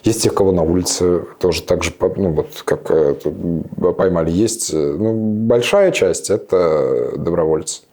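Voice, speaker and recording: A man in his thirties speaks in a low, dark voice that sounds warm and relaxed. He answers questions thoughtfully but haltingly, often pausing, restarting and padding his sentences with fillers. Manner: hesitant, many fillers and restarts. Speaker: interview guest, serving soldier. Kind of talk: reflective interview talk.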